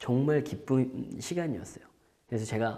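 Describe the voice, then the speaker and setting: A man talks in an animated tone at medium pitch. The background stays quiet. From South Korea. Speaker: lecturer. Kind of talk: lecture. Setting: live training session with audience, filmed. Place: studio. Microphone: lapel.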